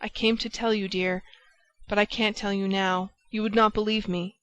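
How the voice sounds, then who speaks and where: Woman narrator voicing a young singer, quiet and despairing, grave tone. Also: medium pitch, level tone, normal speed, smooth, no echo, muffled recording, lightly acted. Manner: soft, despairing.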